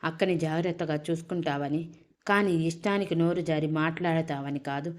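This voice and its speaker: A woman voicing a young man mourning his sister, his voice halting and breaking, in a storybook reading. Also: a little high, fairly even intonation, natural voice. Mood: cold fury.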